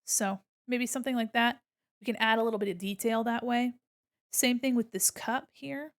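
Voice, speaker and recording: A woman hosting a casual art livestream, explaining as she works and speaking in a gentle, encouraging way. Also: on the high side. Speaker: art streamer and critique host. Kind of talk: casual livestream commentary while drawing, reading chat aloud.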